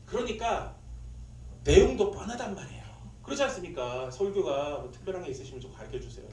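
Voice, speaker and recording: A male pastor preaching a sermon with lively delivery, often acting out scolding voices in his stories and laughing at himself. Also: high-pitched, a little fast, distant mic. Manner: animated, acts out scolding in quoted lines, laughs at own stories. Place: church sanctuary. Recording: echoey room, speaker away from mic, faint noise.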